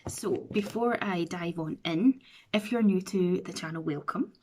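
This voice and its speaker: Speaking from her bedroom at home, a Scottish beauty vlogger in her thirties chats casually to camera, rambling and poking fun at herself while she has a runny nose. Her voice is fairly low, unhurried and a little mellow, with slight background noise.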